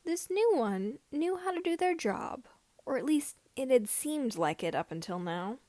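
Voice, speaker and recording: A woman reading a story aloud as scripted narration, with somewhat halting phrasing. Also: high-pitched, sing-song, a little mellow, dry recording. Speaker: amateur audiobook reader of fan fiction.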